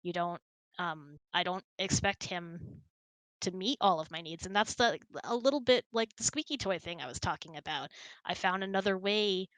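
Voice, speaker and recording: Lower-voiced woman chatting candidly. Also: fairly bright tone, no echo, poor audio. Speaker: host of an online hangout. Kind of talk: casual chat with spouse.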